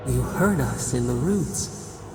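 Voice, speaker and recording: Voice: medium pitch, lively intonation, takes it slowly, vocal fry, background noise, heavily acted. An actor playing an ancient otherworldly god in a video game, solemn, cryptic and yearning, drenched in reverb. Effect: cavernous reverb. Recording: long echoing reverb over music.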